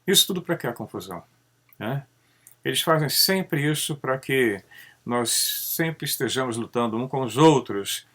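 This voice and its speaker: A man from Brazil, talking through ideas in a casual monologue, tagging sentences with a questioning "né" and swinging his pitch up and down. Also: measured pace. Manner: conversational, tags sentences with "né?"; animated, pitch rising and dropping often. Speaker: channel host.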